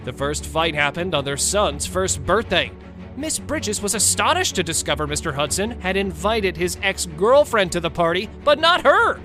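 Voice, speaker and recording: A man's voice: high voice, lively intonation, normal speed. A man reading dramatic scripted narration as a recap narrator. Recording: music bed under the voice.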